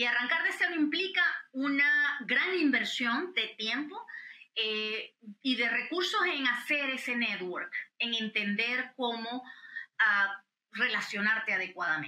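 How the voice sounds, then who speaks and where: A woman with a high pitch talks at a very slow pace, her voice making very wide pitch swings. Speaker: business founder and accountant. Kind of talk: interview.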